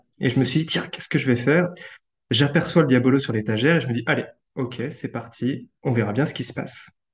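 Against a quiet background, a man talks at a very fast pace in a somewhat breathy voice. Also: medium pitch for a man, ordinary pitch variation. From Brittany, France. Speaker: diabolo juggler and dancer. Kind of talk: casual interview.

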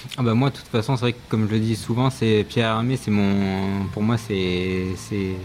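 Noticeable background noise accompanies a man speaking at a moderate pace with hardly any pauses. His fairly low pitch carries fairly even intonation. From southern France. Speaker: pastry chef and instructor. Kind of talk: interview. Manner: halting, many repetitions and fillers.

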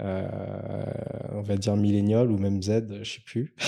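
In a monotone, flat delivery, a man speaks with a dark, mellow tone at a fairly low pitch. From Madagascar. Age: 30s. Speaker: asset management partner. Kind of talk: interview. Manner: halting, frequent repetitions.

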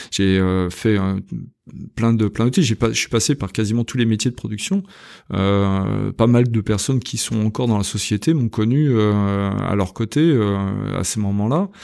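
At a fairly slow pace, a man speaks in a fairly low, dark and mellow voice on a very clean recording with a silent background. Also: ordinary pitch variation. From France, Paris-born, grew up in the Jura. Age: 50s. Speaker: company director. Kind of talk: podcast interview. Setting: on site at his company. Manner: hesitant, many fillers and repetitions.

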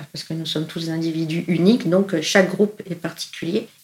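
Fairly quick speech from a woman, intonation fairly even. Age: 40s. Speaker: permaculture trainer. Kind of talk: interview. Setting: rural village, in person. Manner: hesitant, many fillers.

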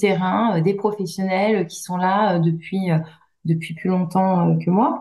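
A woman speaks at a moderate pace and medium pitch in a somewhat breathy, dark, mellow tone. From Normandy, France. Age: 40s. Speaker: association director. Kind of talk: interview.

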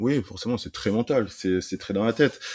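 Recorded very cleanly against a silent background, this man sounds dry and close, with no echo at all. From southern France, Montpellier area. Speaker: former rugby player. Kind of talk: interview.

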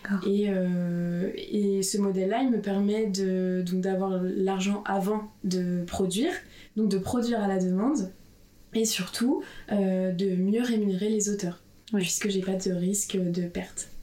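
A woman speaks very slowly with a dark, mellow tone and fairly even intonation. Her loudness stays very even, and room echo is audible. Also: medium pitch for a woman. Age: 20s. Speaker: book publisher. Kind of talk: interview.

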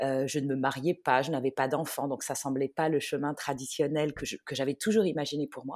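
At a moderate pace and with fairly even intonation, a woman talks in a very deep, low pitch. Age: 40s. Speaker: astrologer. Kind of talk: casual interview.

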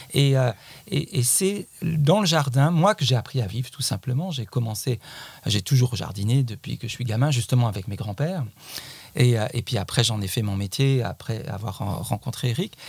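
A man's medium-pitched voice sounds somewhat breathy, and his intonation is lively. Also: moderate pace. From Paris region, France. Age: 60s. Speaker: landscape designer and author. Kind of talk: casual radio chat. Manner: halting, repeats words.

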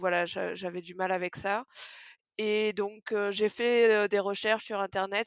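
A woman speaks at a fairly slow pace and a medium pitch, against a quiet background. Her intonation is monotone and flat. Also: dry, close sound with no echo. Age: 20s. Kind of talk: interview. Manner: hesitant, many fillers.

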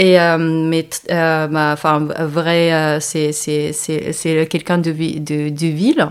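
Very slowly and in a flat monotone, a woman speaks with a very deep, low pitch. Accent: Japanese. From Japan, Tokyo. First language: Japanese (speaking French). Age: 40s. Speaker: cookbook author and caterer. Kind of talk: interview. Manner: halting, many hesitations.

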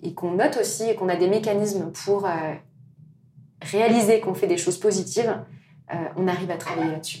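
A woman speaks at a medium pitch in a dark, mellow tone. Her pace is fairly quick, with ordinary pitch variation. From France (Belgian-born, moved at 5). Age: 30s. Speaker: fast-food chain executive. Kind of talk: interview conversation.

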